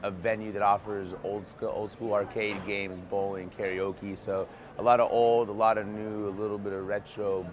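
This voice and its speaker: A man speaking casually and informally as a restaurant chef explaining his work. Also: lowish voice. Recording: clear background noise.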